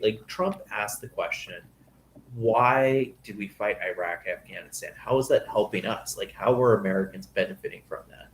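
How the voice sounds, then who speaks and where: A man hosting a podcast, winding through long, chatty questions with plenty of fillers. His voice sits fairly low, and a faint background noise is heard behind him. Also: rough recording. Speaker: podcast host. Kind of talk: casual interview questions.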